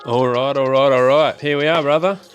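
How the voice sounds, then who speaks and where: A man's voice: mid-range voice, steady tone, brisk, soft background music. An Australian man hosting a podcast, teasing his co-host in jokey banter. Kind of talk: casual chat.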